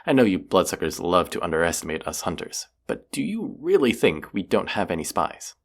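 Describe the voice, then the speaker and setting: Man acting deep, gravelly, sarcastic young vampire hunter. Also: very animated, a little fast, exaggerated voice. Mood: teasing, defiant. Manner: teasing, sarcastic, casual slangy delivery. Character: young cocky male vampire hunter, sarcastic and self-deprecating. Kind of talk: roleplay audio acting.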